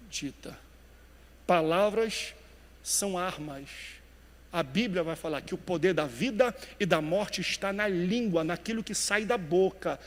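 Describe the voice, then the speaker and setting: Guy pastor preaching, lively up and down delivery, long echo like a big church. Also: high voice. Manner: animated preacher, swings between loud emphasis and quiet lines. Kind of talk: sermon.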